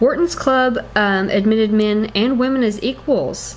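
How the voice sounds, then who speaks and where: A woman with a Southern US accent, ordinary pitch variation and a moderate pace, amid noticeable background noise. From US Southeast. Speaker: podcast host. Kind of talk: casual chat. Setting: living room. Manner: hesitant, many fillers.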